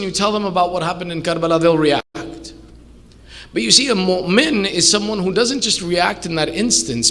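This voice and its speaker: Emphatic male preacher with a bright, creaky voice. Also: high-pitched. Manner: earnest rhetorical questioning, emphatic repetition. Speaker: preacher, sheikh. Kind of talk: English majlis sermon.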